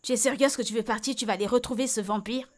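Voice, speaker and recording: A woman's voice: a little high, fast, lightly acted. A woman dubbing a film role: an outspoken, caring woman who talks bluntly and repeats herself insistently. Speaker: Vicky, friend tending a beaten woman. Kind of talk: French film dub.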